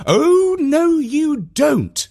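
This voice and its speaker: A storyteller voicing a spirited mother, indignant but good-humoured, speaking in a lively way. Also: mid-range voice, slow pace, slightly rough, voice pushed up, full character voice.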